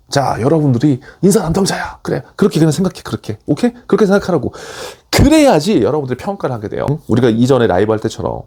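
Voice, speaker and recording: Lively, urging male job coach. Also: mid-range voice. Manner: emphatic, urging, switches to blunt casual speech. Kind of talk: online lecture.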